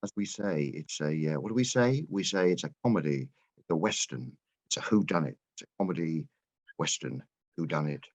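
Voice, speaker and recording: A man's voice: rumbling low, expressive, brisk, no echo. An older man chatting casually and explaining in a hesitant, searching, repetitive way over muffled call audio.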